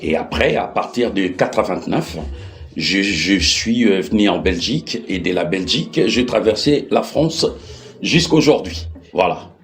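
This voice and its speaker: A middle-aged male interview guest with a Congolese accent. His voice sits low and deep. He explains things conversationally, with halting phrases that he often restarts and repeats. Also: animated. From Democratic Republic of the Congo. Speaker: interview guest, political activist.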